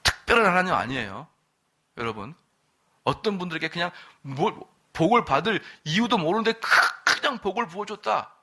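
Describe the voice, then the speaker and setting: A middle-aged man preaching at an evening church service with a bright, ringing voice that pitches a little high. His delivery swings widely in pitch as he quizzes the congregation and slips in quick asides. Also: animated. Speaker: pastor. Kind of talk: sermon.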